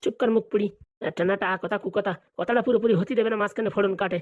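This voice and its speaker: A woman's voice: mid-range voice, steady tone, lightly acted. A woman voicing a scheming, money-hungry village father in a comedy cartoon, scolding and bantering. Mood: scolding, impatient. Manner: rapid, colloquial, bantering scolding.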